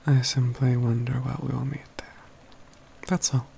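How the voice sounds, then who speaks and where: A man playing a wry, self-assured, caring mage companion in a soft, breathy, near-whispered ASMR fantasy roleplay, with measured, formal phrasing. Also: medium pitch, flat delivery, slight background noise, lightly acted. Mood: pensive.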